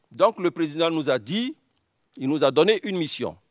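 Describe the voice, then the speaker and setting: Speaking at a fairly slow pace, the voice moves through very wide pitch swings, recorded dry with no echo against a quiet background. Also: man. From Ivory Coast. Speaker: army general testifying as witness; witness. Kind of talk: court testimony. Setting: courtroom. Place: hall. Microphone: podium.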